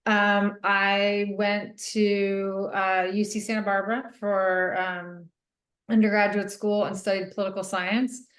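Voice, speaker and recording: A middle-aged woman from Northern California, an author speaking at a middle pitch. She answers thoughtfully, pausing on ums and laughing softly, and her voice echoes in a roomy studio. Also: level tone. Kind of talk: interview answers. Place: radio studio.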